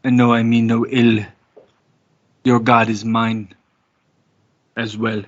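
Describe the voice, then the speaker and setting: A man voicing a solemn, courteous tree creature from the swamp, speaking gravely and formally. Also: mid-range voice, flat delivery, takes it slowly, lightly acted. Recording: dull sound with music behind.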